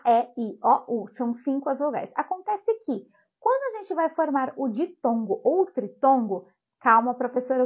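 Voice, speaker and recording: A young woman teacher giving a lively grammar lesson, drawing out example words slowly to stress their sounds. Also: high voice, muffled recording.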